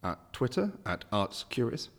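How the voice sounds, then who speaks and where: A man's voice: medium pitch, very animated, a little slow, big-room sound. A man hosting a casual interview podcast, chatty and rambling, with lots of restarts in his questions. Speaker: podcast host.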